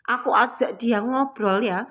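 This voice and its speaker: A woman's voice: a little high, a little slow, a bit bright. A woman giving a reflective spiritual talk to her listeners, patient and explanatory, often repeating her key points. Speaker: spiritual teacher.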